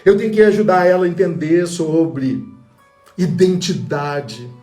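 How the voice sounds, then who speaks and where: A man's voice: a little high, unhurried, a little mellow. A man with a Brazilian Portuguese accent teaching public speaking in a motivational online lesson, telling stories animatedly and acting out the people he quotes. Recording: roomy sound with music behind.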